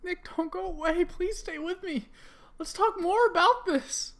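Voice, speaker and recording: Woman acting a high-pitched, tearful, melodramatic bunny. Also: a little slow. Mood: subdued, resolute. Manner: melodramatic, emotional. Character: desperate, tearful young female rabbit, defiant and pleading. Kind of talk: amateur dramatic comic reading.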